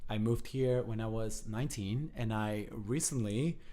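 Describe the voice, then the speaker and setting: Young Ecuadorian man, animated guest. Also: on the low side, measured pace. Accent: Ecuadorian Spanish. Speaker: guest, dancer and actor. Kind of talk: casual interview.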